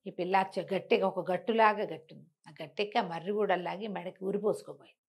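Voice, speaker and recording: A woman telling a folk tale in a conversational, expressive storyteller's way, repeating phrases for emphasis. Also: fairly low pitch, quick pace, gravelly, breathy edge.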